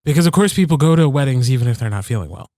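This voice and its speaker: A man with a slightly stuffy, cold-clogged voice chats casually as a podcast co-host. His pitch sits in an ordinary male middle range, and the recording is close and dry, with very little room sound. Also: lively intonation, racing, dark tone, dry recording.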